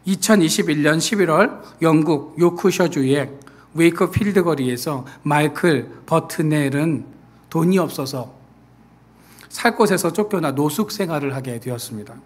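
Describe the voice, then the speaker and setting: A man preaching a sermon as pastor, who acts out quoted people in lively voices and then falls back to a soft, earnest tone. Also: fairly high pitch, moderate pace. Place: church sanctuary.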